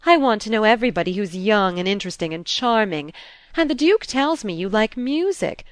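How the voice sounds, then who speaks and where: A woman's voice: mid-range voice, lively intonation, brisk, dry recording, voice pushed up, close to an everyday voice. A woman voicing a flamboyant older society hostess with a round, rolling voice and a brash, effusive manner. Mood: gushing. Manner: effusive, brash, hail-fellow. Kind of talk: audiobook character voice.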